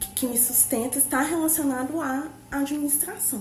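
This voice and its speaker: Noticeable background noise sits under the speech. The pace is fairly slow, and pitch varies in an ordinary way. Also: woman. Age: 30s. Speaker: history graduate student. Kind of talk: personal testimony.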